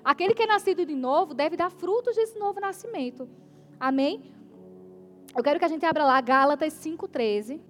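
High-voiced woman preaching with emphatic "amen?" calls. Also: soft background music. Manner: emphatic, punctuates points with "amen?" to the congregation; reads scripture aloud slowly and deliberately. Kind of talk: sermon.

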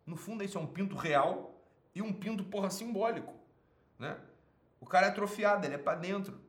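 A man's voice: high voice, animated, brisk, fairly bright tone, echoey room. A man with a Brazilian Portuguese accent who hosts an advice show, answering a listener's email in a blunt, casual monologue full of swearing. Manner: blunt, swears often, emphatic.

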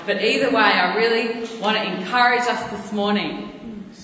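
In an echoey church hall with faint noise, a woman preacher in her thirties delivers an earnest, story-driven sermon, often restarting her sentences. Her mid-range voice is steady and fairly bright, at a moderate pace.

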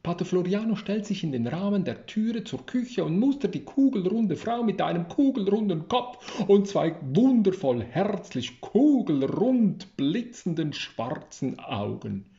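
Slow, mellow man reading a story. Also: sits high, sing-song. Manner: slow, measured narration. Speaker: narrator. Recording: roomy, slightly dull recording.

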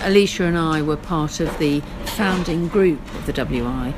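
A woman's voice: deep voice, normal speed. A woman speaking conversationally as an interview guest, with outdoor traffic noise around her. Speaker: interview guest, market co-founder.

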